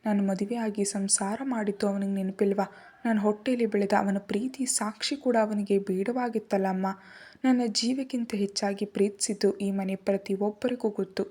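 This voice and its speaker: A woman's voice: mid-range voice, fairly even intonation, normal speed, dark tone, natural voice. A woman reading the lines of a heartbroken young wife who pleads and asks anguished questions.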